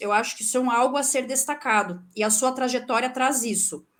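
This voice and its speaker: A woman talks in a high pitch. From southern Brazil, Passo Fundo (Rio Grande do Sul). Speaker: literature professor, interviewer. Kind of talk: interview.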